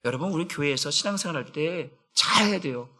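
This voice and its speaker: A man preaching a sermon as senior pastor, pressing the congregation with rhetorical questions and swinging between loud emphatic bursts and low quiet asides. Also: animated, quick pace.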